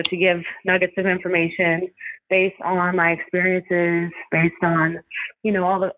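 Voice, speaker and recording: A woman's voice: fairly low pitch, no echo. Woman, chatty, over a tinny phone line. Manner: rambling, many fillers and restarts. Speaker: soccer coach and Spanish-language commentator. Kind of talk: casual podcast interview.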